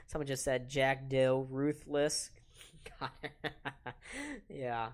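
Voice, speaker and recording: An eighteen-year-old man with a soft voice, casually calling live hockey play-by-play on a stream and chatting with viewers between plays. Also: mid-range voice, flat delivery, very slow. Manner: chatty, reads chat aloud and talks to viewers between plays. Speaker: play-by-play commentator and stream host.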